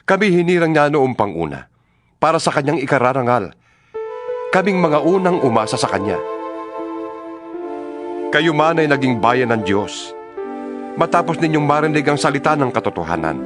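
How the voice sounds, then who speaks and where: A man voicing a fervent apostle in a dramatized scripture reading, solemn and exhortatory with deliberate phrasing. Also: fairly high pitch, very animated. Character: Paul the apostle, fervent letter-writer to believers. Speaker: scripture reader. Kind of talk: dramatized audio Bible reading, scripted and declamatory. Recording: music bed under the voice. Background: background music.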